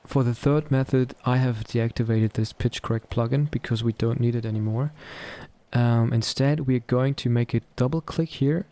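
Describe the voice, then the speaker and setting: Man narrating a casual software tutorial. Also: mid-range voice, steady tone, moderate pace. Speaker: tutorial presenter.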